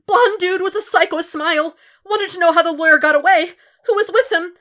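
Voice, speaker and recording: Female reader as frightened young male criminal, high-pitched, whining, tearful, babbling, begging, story reading. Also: brisk, fairly bright tone. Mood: desperate. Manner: babbling, stammering, pleading. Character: terrified young male thug begging for his life.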